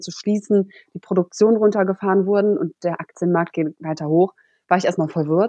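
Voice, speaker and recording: An unremarkable speaking voice talks at a fairly quick pace with fairly even intonation. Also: woman. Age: 20s. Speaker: finance influencer. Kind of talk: interview. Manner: many filler words.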